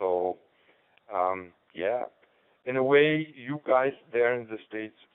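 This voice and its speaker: Speaking at a very slow pace, a man talks with a German accent. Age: 60s. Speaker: amateur radio operator. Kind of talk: ham radio roundtable chat. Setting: radio transmission. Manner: halting.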